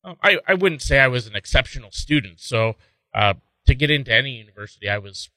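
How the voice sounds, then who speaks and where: A man's voice: mid-range voice, expressive, fast, sharp tone, dry recording, rough recording. A man in his forties, a pastor and interview guest, answering thoughtfully and a little hesitantly. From San Francisco Bay Area, raised in Indiana. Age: 40s.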